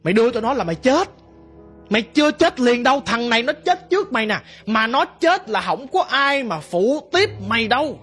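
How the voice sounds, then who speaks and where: A woman's voice: fairly high pitch, big pitch swings, soft background music. A woman voicing a skinless old father ghost. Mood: hushed pleading. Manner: slow, hushed, grim warnings.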